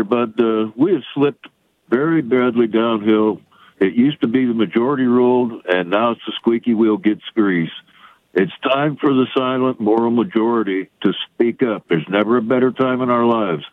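A man in his fifties calling in to a radio show, talking haltingly with many fillers. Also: mid-range voice, no room sound. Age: 50s. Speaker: caller. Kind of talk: call-in phone conversation. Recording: thin phone-line audio.

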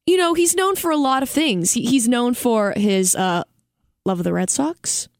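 A woman's voice: a little high, expressive, no room sound, clean studio sound. Giggly female radio co-host. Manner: giggly, quick to interject. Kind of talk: casual radio banter.

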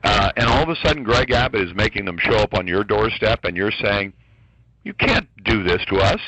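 A man's voice: lowish voice, very animated, a little fast, bright, forceful tone, husky, low-quality recording. A man talking as a radio guest in a combative, indignant, punchy way. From born in Taiwan to American parents. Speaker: talk radio host, guest. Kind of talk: radio talk interview. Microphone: studio microphone.

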